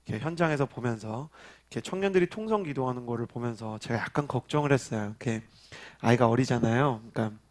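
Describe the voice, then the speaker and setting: A youth pastor in his thirties preaches to a church gathering, his voice pitched in the ordinary middle range for a man. He talks in a chatty, storytelling way, drawing the congregation in with call-and-response. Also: fast, darkish tone. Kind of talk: sermon. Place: church worship service.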